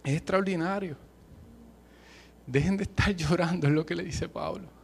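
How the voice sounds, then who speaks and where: A man preaching with a Puerto Rican accent, passionate and emphatic, dropping casual slang and jokes into his sermon. His voice sits high for a man, rising to forceful peaks as he presses each point. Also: normal speed, creaky, slight background noise. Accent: Puerto Rican Spanish. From Puerto Rico. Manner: passionate, emphatic, uses colloquial slang and humor.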